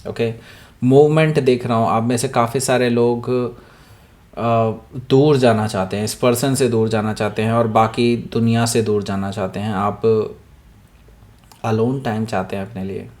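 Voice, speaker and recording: A man gives a casual tarot reading, mixing in English phrases and many fillers, his throat sore and husky today. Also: medium pitch, steady tone, moderate pace, darkish tone. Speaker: tarot reader.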